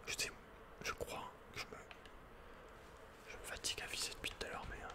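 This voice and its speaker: A man giving casual, slangy ASMR commentary on a video game, muttering with the odd mild swear word. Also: fairly quick. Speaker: ASMR gaming streamer.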